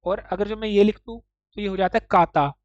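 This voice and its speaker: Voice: medium pitch, flat delivery, a little fast, dark tone, no echo, lo-fi sound. A teacher in an online class explaining Japanese writing step by step, mixing English words into the talk and often checking that the listener follows.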